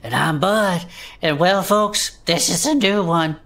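Woman playing a low folksy little male adventurer. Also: a little slow, a bit bright. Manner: folksy drawl, slangy double negatives. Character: small big-headed male adventurer, folksy and loyal. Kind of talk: audio drama comedy.

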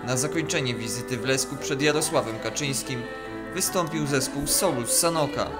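A man reading a scripted news report with an even, formal delivery. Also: mid-range voice, normal speed. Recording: voice-over with music beneath.

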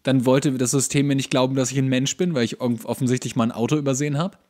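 A man hosting a podcast, chatting casually in a halting, comically exasperated way. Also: mid-range voice, fairly even intonation, darkish tone. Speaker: podcast host.

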